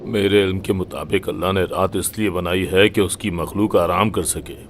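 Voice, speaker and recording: A man's voice: low-pitched, steady tone, moderate pace, a little hiss or hum, lightly acted. A man playing drowsy, pious Amara. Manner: sleepy, reluctant.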